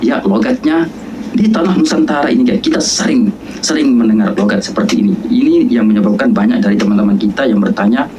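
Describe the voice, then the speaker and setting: A man's voice: fairly low pitch, brisk, noisy background. A man with an Indonesian accent giving casual video commentary, chatty and speaking straight to his viewers. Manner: chatty, addresses viewers as "geng".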